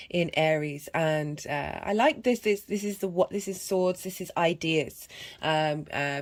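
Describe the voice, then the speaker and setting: A woman with a husky voice and a cough, giving a rambling casual tarot and astrology reading full of fillers and restarts. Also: sits low. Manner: meandering, many fillers and restarts. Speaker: tarot reader.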